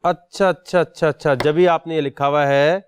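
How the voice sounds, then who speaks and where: A man's voice: on the high side, fairly even intonation, clean tone, dry recording, studio quality. A man hosting a talent show audition, questioning a contestant in a teasing, pointed way. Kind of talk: probing audition interview.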